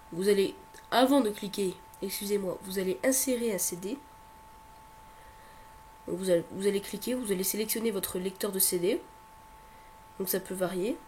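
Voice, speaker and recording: A man with a cold narrates a tech tutorial over a screen recording in a high-pitched, slightly mellow voice. He sounds unsure, piling on fillers, repeating himself and restarting sentences, and a faint hum runs beneath.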